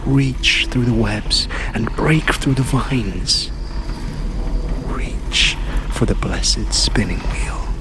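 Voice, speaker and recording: A man's voice: medium pitch, extremely slow. A man playing a sly, menacing little trickster creature who coaxes theatrically in rhyme in a fantasy audio drama. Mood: sinister coaxing. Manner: theatrical, sing-song, coaxing in rhyme. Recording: voice under loud music.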